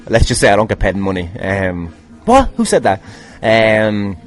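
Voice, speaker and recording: A man's voice: on the low side, very animated, normal speed, soft background music. A man with an Irish accent telling casual, rambling anecdotes as a podcast host, jokey, sweary and self-deprecating. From Ireland. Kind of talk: casual rambling anecdotes answering fan questions.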